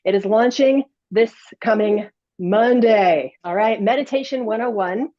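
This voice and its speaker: A woman's voice: fairly high pitch, measured pace, dull audio. A woman hosting a fitness show as a personal trainer, chatty and laughing often while demonstrating moves, a little winded. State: slightly winded from exercising. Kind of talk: casual show chat with exercise demo.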